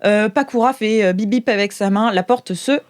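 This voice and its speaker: A woman acts as game master. Her voice sits at a middle pitch. She narrates an improvised tabletop game casually, handing turns and rulings to her players. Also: moderate pace.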